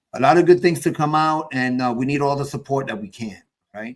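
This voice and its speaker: With an ordinary speaking voice, a man talks at a fairly quick pace in a fairly high pitch. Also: big swings in loudness. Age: 60s. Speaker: podcast host and bandleader. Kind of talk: casual chat.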